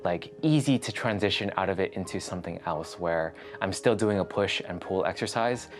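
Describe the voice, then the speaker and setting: A man's voice: low voice, moderate pace, faint music behind. A man hosting a fitness vlog, chatting casually and thinking aloud in a rambling way. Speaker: host of a fitness challenge vlog. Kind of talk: casual chat to the viewer.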